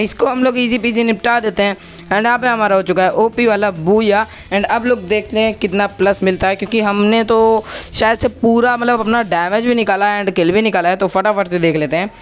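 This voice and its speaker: A young man giving a chatty voice-over commentary on his own gameplay, talking straight to his viewers and asking them to comment. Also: sits high. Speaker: gaming channel host.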